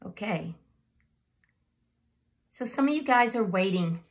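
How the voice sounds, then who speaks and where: A slightly hoarse woman giving a casual, unscripted tarot reading and speaking directly to the listener as the channel's host. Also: medium pitch, expressive, slow, a little hiss or hum.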